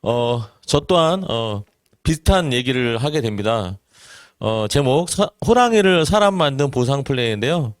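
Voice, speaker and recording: A man in his forties giving an earnest seminar talk, asking the audience rhetorical questions and filling pauses with hesitations. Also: mid-range voice, lively intonation, no echo, clean studio sound. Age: 40s. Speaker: network marketing business presenter.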